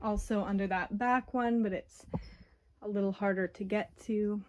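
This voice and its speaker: A woman giving an unhurried walkthrough tour of her camper, plainly pointing out features one by one, recorded on a handheld phone inside the trailer. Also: mid-range voice, fairly even intonation, darkish tone, slight background noise. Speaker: owner giving a home tour.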